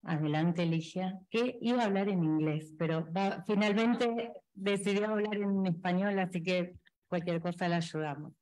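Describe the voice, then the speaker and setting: A woman's voice: on the low side, normal speed, darkish tone, low-quality recording. A woman moderating a panel, formally introducing a speaker into a table microphone, partly reading. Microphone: gooseneck table microphone.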